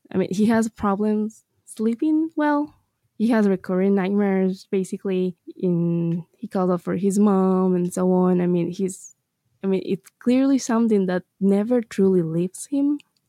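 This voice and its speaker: A woman with a non-native accent and a dark, mellow tone speaks at a moderate pace and medium pitch with ordinary pitch variation, in dry, close sound with no echo on a very clean recording with a silent background. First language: not English. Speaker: manga fan guest. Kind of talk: casual chat. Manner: halting.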